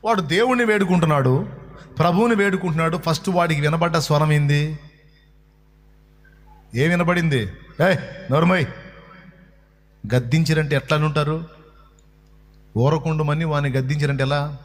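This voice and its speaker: Conversational male pastor, slightly high voice. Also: fairly quick, pauses often, long reverb tail. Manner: conversational, asks the audience questions. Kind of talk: sermon.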